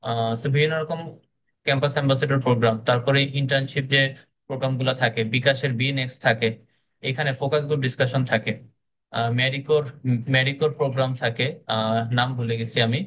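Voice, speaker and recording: A man's voice: medium pitch, steady tone, fast, fairly bright tone. A young man running a speaking club orientation, talking casually and encouragingly with many fillers. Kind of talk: orientation class talk.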